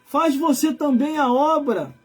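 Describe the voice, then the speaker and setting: Brazilian male livestream preacher, 40s, high-pitched, colloquial and insistent delivery over music. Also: unhurried. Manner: emphatic, colloquial, repeats phrases for effect. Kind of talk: informal live sermon.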